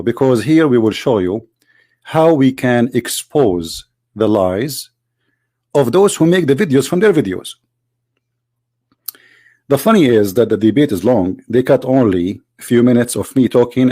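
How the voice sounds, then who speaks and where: A man with a tired voice giving hesitant casual commentary as a video host, clearing his throat and pausing with fillers. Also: medium pitch, animated, mellow, no room sound, clean studio sound.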